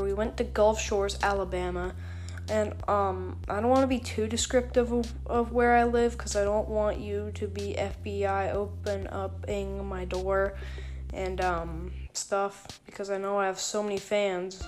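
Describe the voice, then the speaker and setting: Rambling teen girl with a sore voice. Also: mid-range voice. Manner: rambling, self-deprecating, many ums and throat clearing. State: sore, cracky voice. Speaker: podcast host. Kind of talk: casual solo podcast chat.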